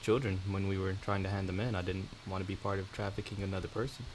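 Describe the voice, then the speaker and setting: A man playing a tabletop game, speaking conversationally in character with a hesitant, halting delivery. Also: low voice, steady tone, a little hiss or hum. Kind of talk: conversational in-character role-play.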